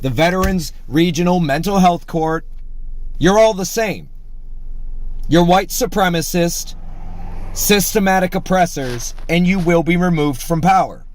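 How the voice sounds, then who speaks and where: A man berates the people he is confronting, swearing and stressing each word. His voice sits a little above the usual pitch for a man. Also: poor audio. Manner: profane, berating, slow and emphatic. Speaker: host. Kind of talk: heated confrontation on a call.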